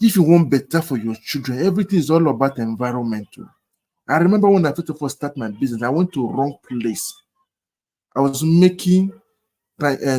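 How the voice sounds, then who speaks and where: A man's voice: mid-range voice, warm tone. A man with a Nigerian accent, arguing emphatically in a casual debate over a video call, repeating himself and mixing in pidgin. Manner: repetitive, emphatic, mixes in pidgin. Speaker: discussion participant.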